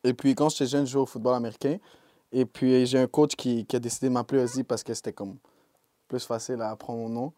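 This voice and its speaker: Sitting for a relaxed interview, a young rapper from Quebec speaks unhurriedly in his Québécois French accent, tossing in English slang like "yo" and "bro." The voice is warm and mellow, medium in pitch and level in tone, captured up close and dry with no room sound.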